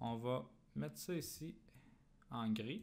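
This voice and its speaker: This man talks with a Quebec accent at a medium pitch. His intonation is lively. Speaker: web marketing consultant. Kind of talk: software tutorial screencast.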